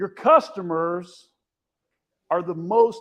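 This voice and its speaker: A man speaks loudly and at a high pitch. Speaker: entrepreneur and marketing coach giving a talk. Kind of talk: conference keynote talk. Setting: stage with live audience. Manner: energetic, crowd-engaging. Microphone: speaking without a working mic at start.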